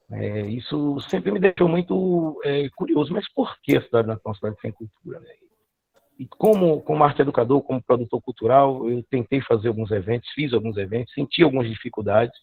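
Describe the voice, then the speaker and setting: Middle-aged guy presenting his thesis, lots of pauses and restarts, sounds thin like a phone line. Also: mid-range voice, creaky, breathy edge, dry recording. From Northeastern Brazil. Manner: halting, frequent filler hesitations and restarts. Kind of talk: formal academic presentation over video call. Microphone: computer mic on a video call. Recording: tinny dry video-call audio.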